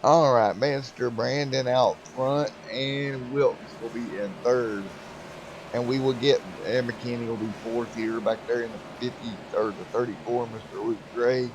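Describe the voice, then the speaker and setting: A folksy man calls a simulated stock car race, play by play, in a voice of middle pitch. Faint engine noise hums behind him. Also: fairly even intonation, unhurried. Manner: folksy, drawling, says "Mister" before drivers' names. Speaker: race commentator. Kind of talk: sim racing play-by-play commentary.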